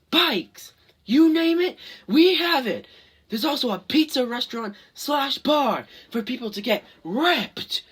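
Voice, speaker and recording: Man doing an overexcited announcer, loud, husky, pitched up. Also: full character voice. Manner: hyped, shouty ad pitch.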